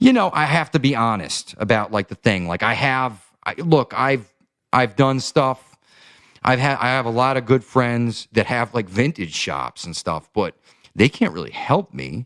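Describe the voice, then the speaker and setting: In a New York accent, a man at medium pitch speaks at a fairly slow pace in an energetic tone with lively intonation and vocal fry, the sound dry and close with no echo. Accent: New York inflection. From Albany, New York. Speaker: fashion designer and artist. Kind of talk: casual podcast interview. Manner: halting, many restarts.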